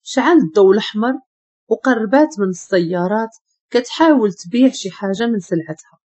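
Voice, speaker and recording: A woman with a Moroccan accent narrating a scripted story in a calm, steady way. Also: medium pitch, brisk, breathy edge.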